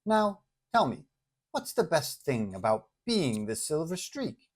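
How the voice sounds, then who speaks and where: A man's voice: on the high side, sing-song, unhurried, voice pushed up. A probing magazine reporter, played by a male narrator in a superhero story. The questions come pointed and skeptical. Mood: curious.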